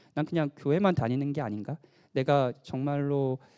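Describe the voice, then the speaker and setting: Against a quiet background, a man with a fairly high pitch and a dark, mellow tone is heard in a dry, close sound with no echo. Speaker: pastor. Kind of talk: sermon.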